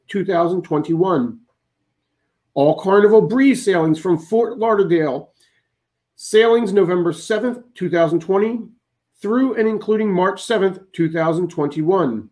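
A man's voice: sits high, darkish tone. A man hosting a cruise travel channel, steadily reading out a long list of updates to his viewers.

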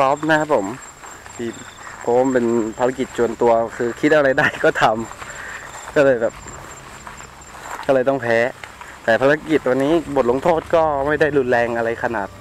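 A young man quietly narrating an exploration vlog outdoors at dusk, talking to his viewers while searching around an abandoned cabin. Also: mid-range voice, fairly even intonation, normal speed, low-quality recording. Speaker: vlogger exploring abandoned sites. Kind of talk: casual on-the-spot vlog talk. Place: outdoors in a rural forest clearing at dusk. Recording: outdoor camera audio with insect noise. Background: crickets and insects.

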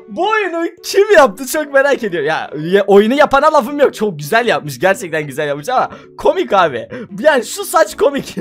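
A man giving casual, excitable let's-play commentary to his viewers, laughing often as he plays. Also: very high-pitched. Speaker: gaming video host.

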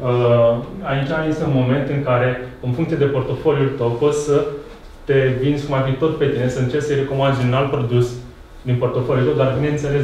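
A young man from Romania giving a conference talk in a meeting room, relaxed and halting, with many fillers and restarts. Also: medium pitch, slight background noise. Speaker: presenter. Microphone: far camera. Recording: echoey room from far off.

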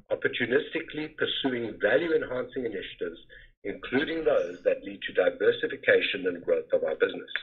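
A man's voice: mid-range voice, breathy edge. Man on a muffled, phone-like earnings call. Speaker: company finance executive. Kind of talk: scripted earnings call presentation. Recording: muffled phone-like conference call webcast audio.

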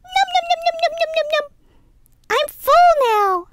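A woman voicing a tiny, timid, hungry mouse in a children's puppet show, squeaky and pleading. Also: measured pace, no room sound, clean studio sound. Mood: grateful. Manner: pleading, excitable.

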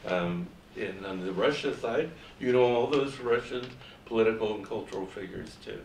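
An older man, a former diplomat, speaking on a panel in a measured, advisory way. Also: fairly low pitch, creaky, a little mellow, slight background noise. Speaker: former Foreign Service officer, panelist. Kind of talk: panel talk. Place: university seminar room. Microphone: far camera. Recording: echoey room from far off.

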